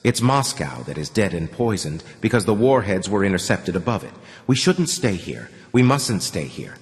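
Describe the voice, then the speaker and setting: A man's voice: on the low side, big pitch swings, normal speed. A man voicing a weary young man who pleads passionately with a crowd to leave the tunnels. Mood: pleading. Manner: impassioned, urgent. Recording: long hall reverb.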